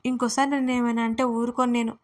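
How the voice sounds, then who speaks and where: A woman voicing a playful, childish young woman who squeals and shouts in an audio story. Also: fairly high pitch, little pitch movement, fast talker, natural voice. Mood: childish pouting.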